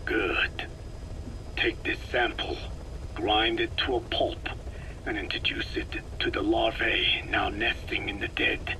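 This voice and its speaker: A man playing an ancient, grave tribal scientist in a video game cassette tape, speaking slowly in a hushed, whispery, formal way. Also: lowish voice, steady tone, exaggerated voice, poor audio. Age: older. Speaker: scientist giving instructions. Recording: cassette tape with audible hiss.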